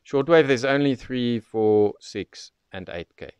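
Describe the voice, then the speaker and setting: A radio tutorial presenter with a medium-pitched, darkish voice walks through an unscripted product demonstration step by step, unhurried and methodical. The sound is clean with no echo.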